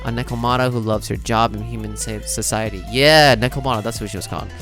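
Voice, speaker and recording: Casual male reaction host, deeper-middle voice over music. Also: fairly even intonation, quick pace, fairly bright tone. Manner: informal, slangy, exclaiming. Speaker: video host, game reaction content creator. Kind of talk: casual excited reaction commentary. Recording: music playing behind the voice.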